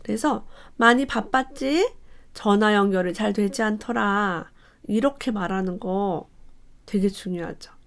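A woman hosting a casual book review for parents, reading quotes aloud in a lively, animated way. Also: on the high side, creaky.

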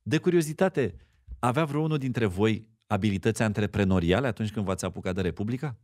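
A man's voice: lowish voice, a little mellow, no room sound, studio quality. A man with a Romanian accent hosts a podcast, asking curious questions and often agreeing with his guest. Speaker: podcast host. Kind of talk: podcast interview.

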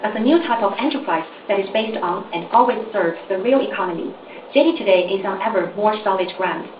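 A woman's voice: mid-range voice, a little fast. A woman interpreter carefully reading formal corporate remarks on a conference call. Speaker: interpreter for executive. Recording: dull, roomy, noisy distant conference line.

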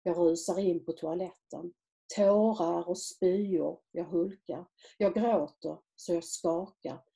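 A woman author reading aloud from her own novel in a measured, quiet literary manner. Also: lowish voice, steady tone, vocal fry.

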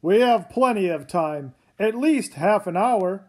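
Lady doing a comic book dad, earnest, unhurried, voice dropped down a bit. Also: mid-range voice, expressive, warm tone, voice pushed down. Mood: easygoing. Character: adult father, easygoing then desperate. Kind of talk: dramatic comic read-aloud.

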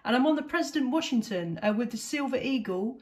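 A woman's voice: a little high, animated, fast. A woman chatting casually and enthusiastically as a CB radio operator. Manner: enthusiastic, effusive. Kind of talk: casual radio contact chat. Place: indoors at a home radio set.

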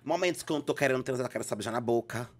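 A man's voice: medium pitch, racing. A young man as a podcast guest in casual chat, playful, campy and theatrical as he tells stories.

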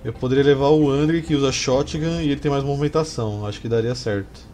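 A man's voice: mid-range voice, fast, mellow. A man in his thirties with a Brazilian accent, giving slangy, casual commentary as he streams a game. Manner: slangy, swearing. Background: faint game music.

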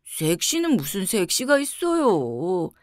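A woman's voice: medium pitch, very animated, takes it slowly, no echo, studio quality. A woman voicing a simple-hearted young bachelor son in a bedtime storybook reading, talking in a naive, earnest way. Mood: cheerful, naive.

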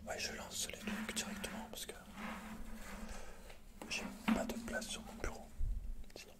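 A young man doing an ASMR roleplay as a shopkeeper, speaking haltingly and with understatement, close to the mic. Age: young adult. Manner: hesitant, halting, understated delivery.

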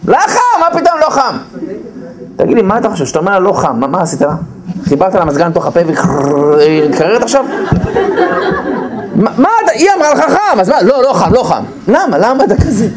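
Lively man giving a humorous live lecture. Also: high-pitched, crowd noise, low-quality recording. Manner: animated, acts out spouses' lines in quick put-on voices; repeats key phrases for emphasis. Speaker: lecturer on marriage. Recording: live audience audible in the background.

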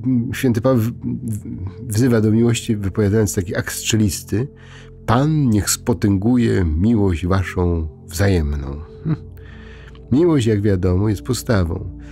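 Gravelly, mellow-voiced priest musing at bedtime. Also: male voice, lowish voice. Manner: unhurried, conversational, many hesitations and restarts. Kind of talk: informal bedtime reflection.

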